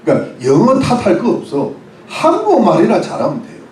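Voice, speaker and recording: Animated Korean pastor preaching in echoey church. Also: male voice, high-pitched, a little fast, distant mic, slight background noise. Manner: explains word by word, mixing English phrases; asks the congregation questions. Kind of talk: sermon.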